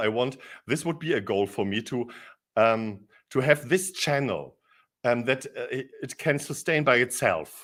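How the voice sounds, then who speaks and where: Lively intonation and vocal fry from a man of medium pitch, on a very clean recording with a silent background. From Germany. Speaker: YouTube commentator. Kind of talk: live stream commentary. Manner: rambling, hesitant with fillers.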